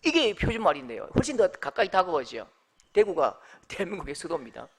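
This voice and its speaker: A man's voice: sits high, big pitch swings, quick pace. A male pastor preaching a sermon with humor and rhetorical questions.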